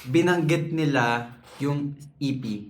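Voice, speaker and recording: A man's voice: fairly high pitch, takes it slowly. A young man co-hosting a reaction video, chatting casually and thinking aloud as he goes. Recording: echoey room with music playing.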